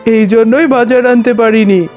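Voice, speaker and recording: A man's voice: very high voice, steady tone, moderate pace. Dull sound w faint music, guy doing a grumbly scheming tiger shopkeeper for a cartoon, indignant and resentful. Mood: dejected complaining. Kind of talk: Bengali cartoon voice acting. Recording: muffled lo-fi sound, music behind.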